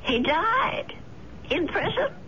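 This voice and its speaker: A high, swooping voice of an old lady in a radio drama. She is fretful and unsure of herself, halting as she talks. The old broadcast sound is dull and noisy. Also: big pitch swings, bright, forceful tone, full character voice. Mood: troubled, hesitant. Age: older. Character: troubled, hesitant old landlady, conscience-stricken widow-like lady. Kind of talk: 1970s radio drama acting.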